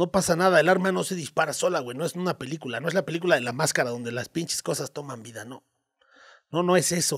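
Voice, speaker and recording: Against a quiet background, a man speaks at a very fast pace with a fairly high pitch, ordinary pitch variation and big swings in loudness. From Mexico. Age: 40s. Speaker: firearms channel host and shooting instructor; firearms channel host, shooting instructor. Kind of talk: casual vlog monologue; casual podcast commentary. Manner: animated. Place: home room. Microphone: studio mic.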